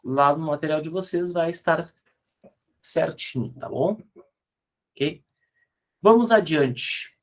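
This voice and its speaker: A man's voice: a little high, expressive. A man with a Brazilian Portuguese accent teaching an online grammar lesson, explaining rules patiently and checking in with frequent tag questions. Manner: spells out letters slowly, corrects slide errors aloud.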